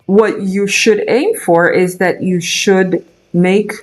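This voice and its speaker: A man's voice: high voice, fairly even intonation, takes it slowly, faint music behind. A young man from Romania with a Romanian accent, chatting casually on a live trading stream, thinking aloud with many fillers and restarts. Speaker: day trader streaming live.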